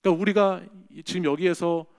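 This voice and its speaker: A man's voice: sits high, steady tone, fast. A male pastor preaching a sermon in a church, talking in a conversational way and often checking in with the congregation. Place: church sanctuary.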